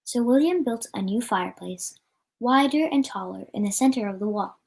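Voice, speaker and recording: A woman's voice: a little high, expressive, normal speed, darkish tone. A woman reading a children's story aloud as a storyteller, with an occasional stumble over the words.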